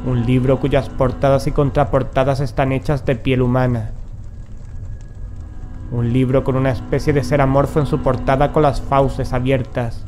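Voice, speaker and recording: A man playing a grave, determined occult investigator in a horror audio drama, speaking in a solemn, measured way. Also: mid-range voice, little pitch movement, music in the background, close to an everyday voice. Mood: grave, ominous.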